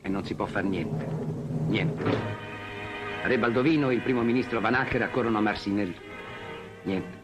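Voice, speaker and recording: A man's voice: lowish voice, normal speed, long pauses. A man narrating an old 1950s newsreel in a solemn, dramatic declaiming voice over music. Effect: old newsreel soundtrack.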